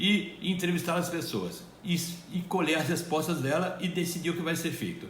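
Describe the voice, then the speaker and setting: Over noticeable background noise and audible room echo, a man with a high pitch speaks at a moderate pace. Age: 60s. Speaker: video presenter proposing a public health plan. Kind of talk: explanatory presentation.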